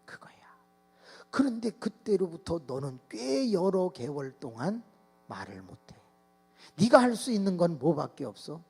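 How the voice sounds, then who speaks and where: A male pastor preaches in a big church hall, his husky voice swinging from hushed whispers to loud cries as he acts out a story. A long reverb trails each phrase, and a steady mains hum sits underneath. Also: high voice, unhurried, soft background music. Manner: animated storytelling, acting out children's voices and shouting. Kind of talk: sermon. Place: church sanctuary.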